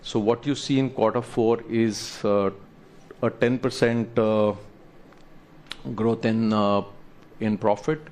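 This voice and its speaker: Low-voiced man presenting, with noticeable noise. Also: flat delivery, darkish tone. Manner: measured, explanatory, halting with pauses. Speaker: company executive presenter. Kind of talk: earnings presentation to investors, talking through slides.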